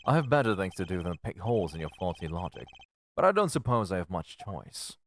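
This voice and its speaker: A man's voice: low voice, very animated, moderate pace, slight background noise. A man voicing a dry, sarcastic investigator in a live reading of a game. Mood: sardonic. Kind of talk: live voiced game playthrough.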